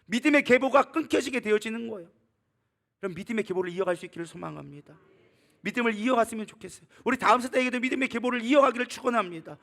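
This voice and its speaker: A male pastor delivers a sermon in a voice gone hoarse, rough and gravelly. He talks quickly and sits high in his range. He presses his listeners with urgent exhortation and bursts into loud scolding when he quotes. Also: expressive.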